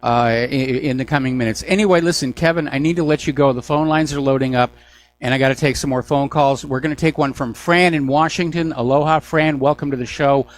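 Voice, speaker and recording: A man hosting a call-in radio talk show, moving briskly between callers with frequent filler sounds. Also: mid-range voice. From New Hampshire.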